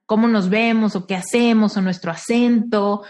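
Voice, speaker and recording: A woman's voice: mid-range voice, steady tone, normal speed, darkish tone. A woman hosting an interview podcast, asking questions and reflecting on her guest's answers in an affirming way. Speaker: podcast host.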